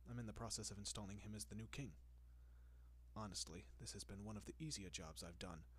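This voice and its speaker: Male actor as centuries-old vampire, lowish pitch, husky, courteous, doting, possessive, intimate roleplay audio. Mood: composed, confiding. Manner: genteel, softly coaxing, lingering pauses.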